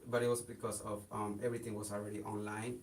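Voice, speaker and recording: Young adult man, raised in Mexico, interview guest, low voice, halting delivery, recorded a bit off-mic with light hiss. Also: level tone, far from the mic. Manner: halting, many fillers and restarts. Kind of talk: casual interview.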